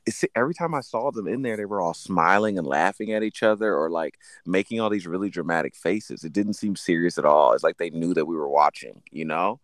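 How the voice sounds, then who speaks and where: A man chatting casually on a podcast in an excitable, slangy, swearing frat-bro manner. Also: deep voice, brisk, hardly any pauses, dry recording, clean studio sound. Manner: excitable, animated.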